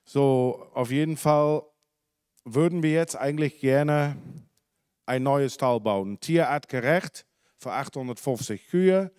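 A man in his forties from the Netherlands, a dairy farmer speaking German with a Dutch accent, giving a halting talk full of fillers and self-corrections into a handheld mic in a conference hall. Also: medium pitch, darkish tone, smooth, clean studio sound. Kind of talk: unscripted talk at a symposium. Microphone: handheld microphone.

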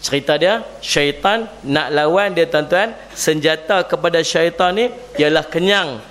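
A male preacher with a Northern Malaysian Malay accent delivers a sermon at a religious gathering. His voice sits a little high. He jokes, laughs easily and keeps tossing questions to the crowd. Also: fairly bright tone. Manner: jokey, laughs often, asks the audience questions. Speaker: Islamic preacher. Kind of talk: humorous sermon.

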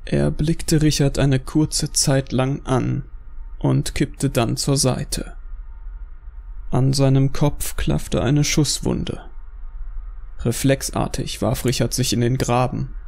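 A man's voice: mid-range voice, steady tone, takes it slowly, gravelly, a little mellow. A man narrating a scripted horror audio drama.

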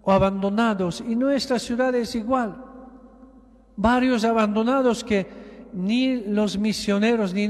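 A bishop with a notably high voice delivers an emphatic sermon, taking his time and leaning on repeated phrases. His words ring out with a long echo through a large church. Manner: slow, emphatic preaching with repetitions.

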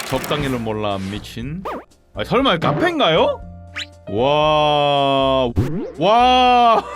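A man's voice: on the high side, very animated, very slow, pauses often. A man streamer giving casual reaction commentary, exclaiming and laughing often with incredulous asides. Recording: background music under voice.

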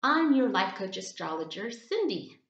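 A woman, an astrology life coach, hosting a video call interview from home, talking slowly with many ums and restarts. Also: medium pitch, very animated. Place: room at home, indoors. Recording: echoey, slightly dull video call audio.

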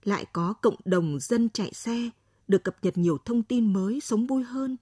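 A woman reading a short story aloud in a soft, measured way. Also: on the high side, husky, no room sound, clean studio sound. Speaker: story narrator. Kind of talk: scripted narration of an emotional short story.

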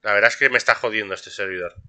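A man's voice: on the low side, racing, pushed and bright, smooth. A young man streaming a game live, complaining and swearing about his bad luck, repeating himself and ending lines with "tío". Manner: frustrated, complaining, swears a lot. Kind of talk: live gameplay commentary.

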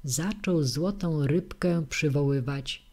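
A woman reading a verse fairy tale aloud as an audiobook narrator, in a measured storytelling manner. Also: low voice, a little mellow. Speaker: audiobook reader.

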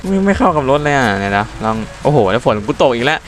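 A man's voice: medium pitch, sing-song, quick pace, a bit bright, slight background noise. A man giving loose, casual commentary while playing a car game, talking to himself and swearing freely. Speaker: gaming YouTuber. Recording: game music playing under the voice.

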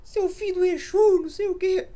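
A man putting on a squeaky, high-pitched joke voice that teases and mocks in a drawn-out, silly way. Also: fairly even intonation, mellow. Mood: teasing.

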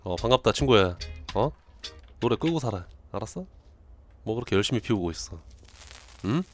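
Lively Korean game streamer, man. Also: lowish voice, moderate pace, faint music behind. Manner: animated, jokey, shouts in panic. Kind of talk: casual horror-game let's play.

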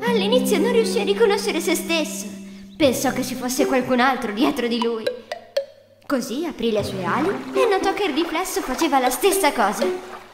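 High voiced lady reading a kids fairy tale, echoey, loud music underneath. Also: expressive, moderate pace. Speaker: narrator. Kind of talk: scripted children's storybook narration.

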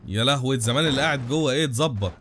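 A young man with an Egyptian Arabic accent and a cold, commenting on a car crash game with loud exclamations. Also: mid-range voice, very fast, background noise. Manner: animated, loud exclamations and religious interjections. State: has a cold. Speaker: gaming channel host. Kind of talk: excited let's-play commentary.

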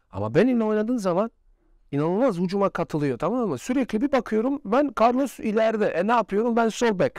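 A man's voice: high voice, darkish tone, no echo, clean studio sound. A former footballer in his forties, a man, telling stories in a casual interview and laughing often. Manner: chatty anecdotes with frequent laughs.

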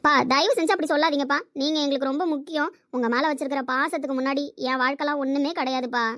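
In an amateur family drama, a young woman plays a self-sacrificing daughter pleading with and reassuring her father. Her high, fairly bright voice stays steady in tone as she speaks fast, and the clean studio recording has no room sound.

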